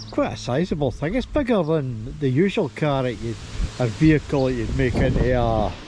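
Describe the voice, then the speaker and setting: A man with a Scottish accent at a fairly slow pace, amid noticeable background noise. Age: 70s. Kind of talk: casual talk to camera.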